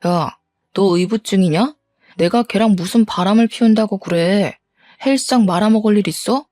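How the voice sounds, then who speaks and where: Woman doing a cheating husband, scornful and snappy, mellow dry voice. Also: mid-range voice, moderate pace, dry recording, lightly acted. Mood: defensive scorn. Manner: dismissive, scolding. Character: cheating middle-aged husband, defensive and blaming.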